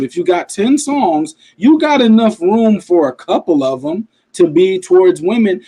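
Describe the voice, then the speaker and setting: A man co-hosts a hip hop talk show in a high, lively voice. His pitch swings widely as he gives his opinions in quick bursts. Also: slightly rough. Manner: animated, opinionated, fast bursts. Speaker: podcast co-host. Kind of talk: casual chat.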